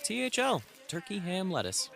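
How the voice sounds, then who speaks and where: A high, animated male voice plays a wisecracking street sidekick in an audio drama. He banters casually over background music. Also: moderate pace, gravelly, full character voice. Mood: needling.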